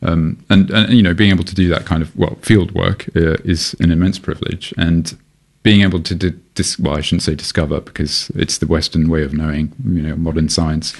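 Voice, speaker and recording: A man's voice: sits low, little pitch movement, fairly quick, creaky, husky. A man from Malaysia, a botanist guest on a radio interview, speaking thoughtfully with hesitations and restarts. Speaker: seed bank botanist.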